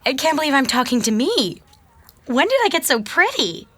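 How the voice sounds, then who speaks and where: A woman voice actor playing an excitable, wisecracking fifteen-year-old schoolgirl in a fiction podcast. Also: high voice, moderate pace, dry recording, heavily acted. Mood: incredulous, curious.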